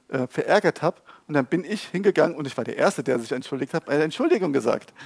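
A man preaching a sermon to a live audience in a lively, conversational way, joking and asking the listeners questions. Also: a little high, creaky, dry recording, studio quality. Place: church hall with a live audience.

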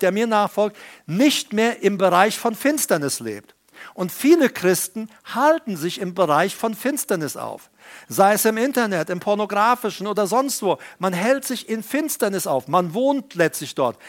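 A middle-aged male pastor preaching a sermon with emphasis, stopping often to explain Greek words. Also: high voice.

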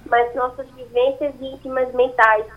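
Phone-in expert, woman over a landline phone, high voice, muffled line, explanatory with fillers. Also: flat delivery, a little slow. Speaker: neurologist guest on phone. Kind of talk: radio interview answers.

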